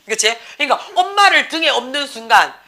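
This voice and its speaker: A woman's voice: high voice, big pitch swings, brisk, bright, forceful tone. A woman in her forties with a Gyeongsang Korean accent, teaching an English class in a chatty, teasing way and checking in with the students constantly. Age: 40s. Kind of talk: classroom lecture.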